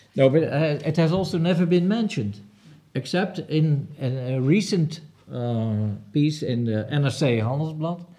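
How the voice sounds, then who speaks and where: Over audible room echo, a man speaks with a Dutch accent. His fairly high voice is somewhat breathy, with a dark, mellow tone and lively intonation. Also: moderate pace. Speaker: professor and author. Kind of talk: press conference panel talk. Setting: press conference with cameras.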